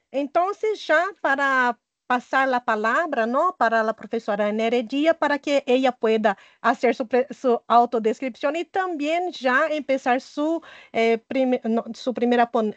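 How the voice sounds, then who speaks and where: A woman's voice: a little high, no echo. A woman moderating a webinar session, introducing the speaker with hesitant, self-correcting phrasing. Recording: dry, dull video-call audio.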